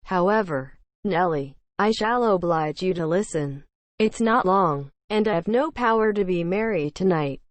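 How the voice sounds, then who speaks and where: Woman reading as passionate, willful young gentlewoman. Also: fairly low pitch, expressive, unhurried, no room sound. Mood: gloomy insistent.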